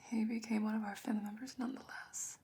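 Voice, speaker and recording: A woman voices a calm, secretive potion maker who knows more than she says in a gentle ASMR fantasy roleplay. She whispers slowly and breathily with measured, hesitant pauses, her husky voice on the high side, sounding guarded and reminiscent.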